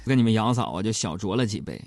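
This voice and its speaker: A man's voice: lowish voice, lively intonation, fast talker, creaky, darkish tone, no echo, soft background music. A middle-aged man, hosting a comedic storytelling radio show and chatting straight to his listeners in a jokey way.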